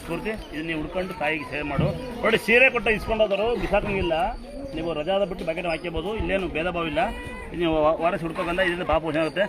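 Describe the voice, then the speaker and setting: A man with a Kannada accent, a temple priest instructing and blessing devotees at a fast, forceful pace. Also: on the high side. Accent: Kannada, Karnataka. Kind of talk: loud public address to devotees. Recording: loud crowd behind.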